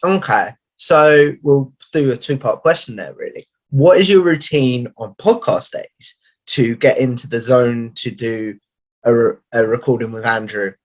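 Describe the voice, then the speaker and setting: A young man hosts a casual interview from home, with a mid-pitched voice and a chatty, friendly manner. He asks questions loosely and drops in "like" as he goes. His voice comes through a headset mic on a video call. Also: measured pace. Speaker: podcast host. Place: home room.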